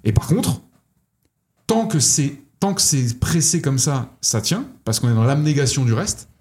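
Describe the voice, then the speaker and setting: A man's voice: mid-range voice, big pitch swings, measured pace, a little mellow. Intense, insistent man talking. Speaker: podcast co-host. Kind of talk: casual podcast chat.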